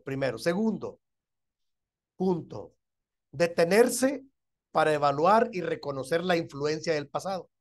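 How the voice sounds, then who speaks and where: A middle-aged Mexican-accented pastor teaching a church class, his voice sitting a little high for a man. He keeps checking in with his listeners and laughs softly between points.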